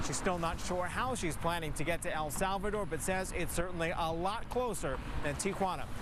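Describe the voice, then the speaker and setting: Over noticeable background noise, a man with a high pitch speaks with ordinary pitch variation. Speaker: TV reporter. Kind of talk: TV news reporter stand-up.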